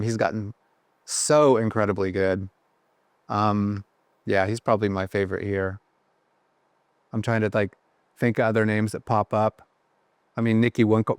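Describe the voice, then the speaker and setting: A man's voice: fairly low pitch, dry recording. A man guesting on a podcast, telling rambling, self-deprecating stories about his career with lots of fillers. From Ohio. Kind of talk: casual podcast chat.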